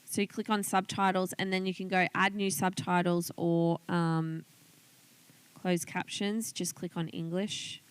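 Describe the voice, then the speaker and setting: An online business coach with an Australian accent walks viewers through a screen demonstration of video tips, chatting informally and thinking aloud step by step. Her voice is on the low side, level and resonant, and her pace is measured and clear.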